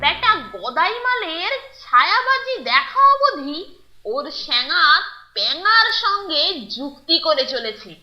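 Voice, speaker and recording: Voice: very high voice, very animated, unhurried, highs cut off, heavily acted. An actor voicing an eager, mischievous schoolboy in an exaggerated cartoon dub. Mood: plotting. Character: squeaky excitable mischievous schoolboy. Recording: echoey, music behind.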